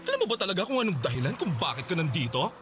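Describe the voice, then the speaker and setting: An actor playing a flamboyant, impatient gay man who teases and pushes, with drawn-out hums. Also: sits high, big pitch swings, music in the background. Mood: coaxing, flirty. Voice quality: teasing, theatrical, drawn-out hums. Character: flamboyant gay male client, pushy, impatient. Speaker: voice actor in radio drama.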